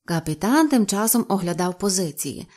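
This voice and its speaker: A woman narrating an audiobook with an even, expressive reading. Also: mid-range voice, normal speed. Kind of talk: storybook narration.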